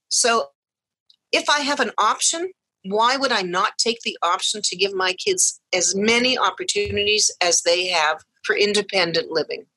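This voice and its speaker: A woman's voice: a little high, bright, forceful tone, no room sound, low-quality recording. A middle-aged woman, a guest on a podcast, speaking in an earnest, reflective and emphatic way about raising her deaf children. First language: English. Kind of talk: conversational storytelling.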